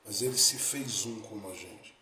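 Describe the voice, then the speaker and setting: A male pastor preaching a sermon, moving between soft lines and loud, dramatic ones. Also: on the low side, normal speed, slight background noise. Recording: echoey room with faint ambience.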